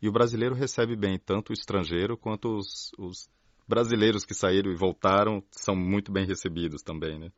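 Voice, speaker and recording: Low-voiced male radio host. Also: no room sound, highs cut off. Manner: calm, measured, short prompts. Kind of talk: radio interview and closing announcement.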